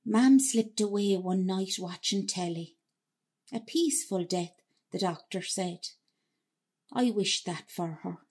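A woman's voice: medium pitch, darkish tone, husky. A woman with an Irish accent playing an ageing emigrant wife who reminisces reflectively in a radio drama monologue. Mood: wistful. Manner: reminiscing, unhurried storytelling.

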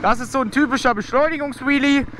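A man's voice: extremely high pitch, fast, over loud music. A young man giving a casual, encouraging riding tutorial as a motovlogger, speaking from inside his helmet while he rides. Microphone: mic inside motorcycle helmet. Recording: helmet mic with clear engine and road noise.

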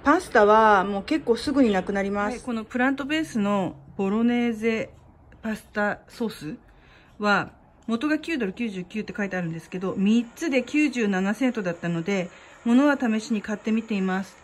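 A woman's voice: medium pitch, fairly quick. A middle-aged woman vlogger narrating casually in a matter-of-fact, conversational way, as in a shopping haul.

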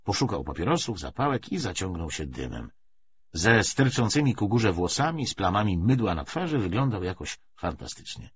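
Low-voiced, animated male audiobook narrator. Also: normal speed. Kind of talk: expressive scripted narration of a novel. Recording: dull sound with faint noise.

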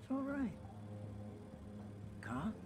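Slow, menacing old crime boss Lucky Quinn. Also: male voice, very high voice, huge pitch swings, exaggerated voice. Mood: falsely soothing. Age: older. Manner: slow, soothing, sinister deliberation. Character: calm, menacing elderly male crime boss. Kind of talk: video game voice acting. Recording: game music behind the voice.

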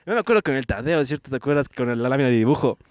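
A man's voice: mid-range voice, animated, very fast, dry recording. Giggly young guy, dry sound. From Ecuador. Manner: laughs often, tells school stories in a loose, rambling way. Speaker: podcast guest. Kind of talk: casual comedy podcast chat.

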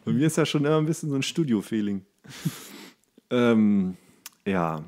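A man's voice: mid-range voice, expressive, normal speed, a little mellow. A man hosting a podcast in casual chat, thinking aloud in a rambling way with English slang mixed in. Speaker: podcast host.

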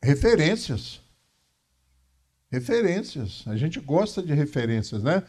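This is a Brazilian man in his fifties with a somewhat high-pitched voice. He speaks as a lecturer on religious matters, in a didactic but conversational way. He tends to repeat key phrases for emphasis. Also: sing-song, slow pace, darkish tone, husky. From Minas Gerais, Brazil. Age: 50s. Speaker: lecturer at a Spiritist centre. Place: small meeting room, indoors.

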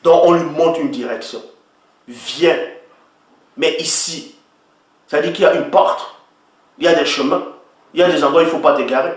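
A man's voice: fairly high pitch, moderate pace, long pauses. A man preaching in an emphatic teaching style, often checking that his listeners follow him. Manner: emphatic, repeatedly asks listeners if they follow. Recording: very echoey room, voice far from mic.

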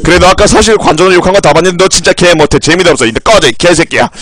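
A man streaming a video game live, shouting attack cries, trash-talking opponents and talking to his viewers. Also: sits high, rapid-fire. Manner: theatrical address to viewers.

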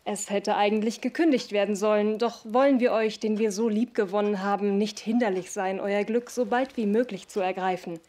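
A woman's voice: medium pitch, fairly even intonation, normal speed, hardly any pauses, close to an everyday voice. An actress playing a gracious lady of the house in a radio drama, speaking politely and formally. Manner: polite, formal, warmly courteous.

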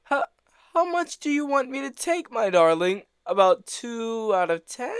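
A man's voice: extremely high pitch, animated, measured pace, smooth, no room sound, studio quality. A man voicing a cowardly, doting devil husband in a comic dub, stammering and pleading in panic. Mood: frantic protest.

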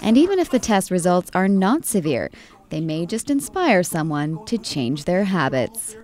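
Lowish-voiced female news reporter. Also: sing-song, moderate pace, a little mellow. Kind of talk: scripted news narration.

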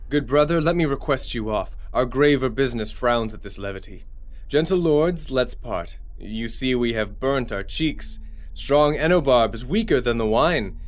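Guy acting a serious roman ruler, shakespeare audio drama, middling pitch, music under it. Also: natural voice.

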